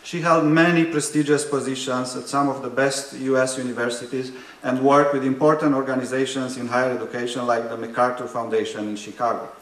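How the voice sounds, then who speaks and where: A man's voice: mid-range voice, flat delivery. Romanian-born man moderating in an echoey hall. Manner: measured, hesitant with frequent fillers, dry humor. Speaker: panel moderator; higher education policy researcher. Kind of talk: academic panel introduction. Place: conference hall.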